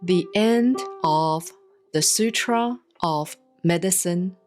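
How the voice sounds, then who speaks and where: A woman reads Buddhist scripture as a monastic, in a solemn, measured and deliberate scripted style with pauses between phrases. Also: lowish voice. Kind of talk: solemn scripted sutra recitation, audiobook-like reading. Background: soft plucked guitar-like music.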